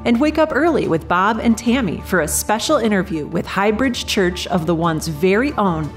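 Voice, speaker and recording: Animated radio newsreader played by a woman. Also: mid-range voice, moderate pace, faint music behind, close to an everyday voice. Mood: composed, businesslike. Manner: crisp, formal announcer delivery. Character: composed female local radio newsreader. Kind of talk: scripted radio news bulletin.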